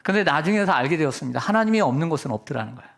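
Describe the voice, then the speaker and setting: A man's voice: on the high side, expressive, rapid-fire, gravelly, a bit bright. A middle-aged male senior pastor preaching a Sunday sermon, often asking the congregation questions. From South Korea. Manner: preacherly, asks the congregation questions and acts out voices.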